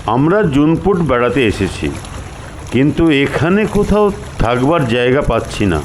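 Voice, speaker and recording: A man's voice: medium pitch, big pitch swings, measured pace, a little hiss or hum. A man narrating a story expressively as the storyteller.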